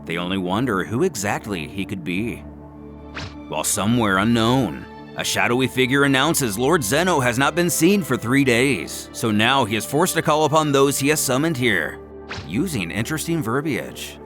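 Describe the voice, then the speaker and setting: Animated man narrating over music. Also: medium pitch. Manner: animated, dramatic storytelling. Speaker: narrator and host. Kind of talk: scripted recap narration of a manga story.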